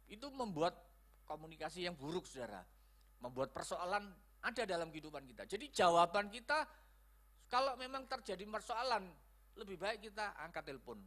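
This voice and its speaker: Man, pastor preaching in a church hall, high voice, bright tone. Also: a little fast. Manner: animated, acts out quoted lines in changed voices. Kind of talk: sermon.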